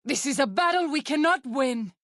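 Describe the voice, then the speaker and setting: A woman playing an earnest, protective tribal healer in a video game, speaking in formal, measured wording. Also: high-pitched, animated, a bit bright, no room sound, studio quality. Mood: alarmed. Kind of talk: video game character voice lines.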